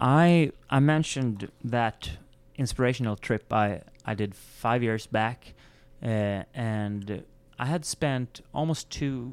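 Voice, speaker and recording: In a very clean recording with a silent background, a man with a Swedish accent speaks very slowly at a medium pitch with ordinary pitch variation. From Sweden, Stockholm. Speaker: guitarist. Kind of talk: interview.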